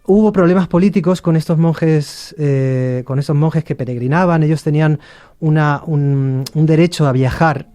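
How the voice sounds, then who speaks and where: Hesitant man with a mellow, dry voice. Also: fairly high pitch, normal speed, no echo. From Argentina. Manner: hesitant, many fillers and restarts. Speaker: interview guest, shakuhachi musician. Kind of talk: relaxed conversational interview.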